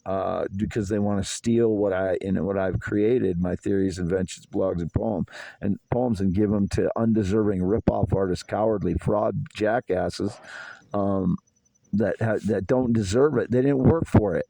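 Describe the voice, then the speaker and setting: Gravelly man in his fifties, aggrieved. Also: on the low side, steady tone, moderate pace, dark tone, dry recording, rough recording. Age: 50s. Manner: rambling, aggrieved. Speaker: vlogger. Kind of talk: late-night solo monologue. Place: outdoors in a yard at night.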